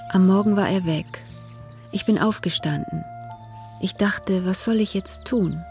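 A woman narrating in the inner voice of an anxious mother in a radio play, quiet and halting, sometimes whispering. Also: medium pitch, soft background music, close to an everyday voice. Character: anxious mother of a troubled son.

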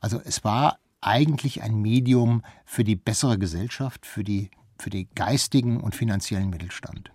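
A man's voice: lowish voice, normal speed, few pauses, darkish tone, no echo, studio quality. A man speaking as an expert interview guest, explaining things in detail with examples.

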